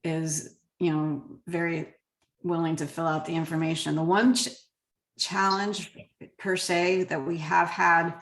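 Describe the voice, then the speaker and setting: An echoey room carries a woman's slightly low voice as she talks shop in an interview. She is a real estate agent from Connecticut, speaking conversationally as a guest. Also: little pitch movement, a little slow, fairly bright tone. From Connecticut, United States. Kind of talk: conversational interview about work systems. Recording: roomy echo.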